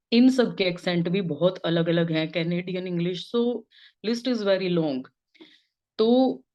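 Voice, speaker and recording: A woman lecturer from India, with a Hindi accent, explains patiently in a somewhat low voice. She moves between Hindi and English phrases like a teacher speaking in class. The recording is a little dull and muffled. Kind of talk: informal spoken lesson.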